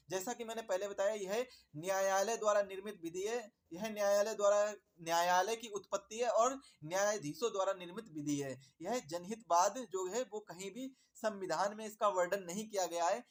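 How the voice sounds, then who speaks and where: A man teaching an exam prep lesson. He repeats his points, asks questions and answers them himself, and calls viewers "my dear brother". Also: high-pitched.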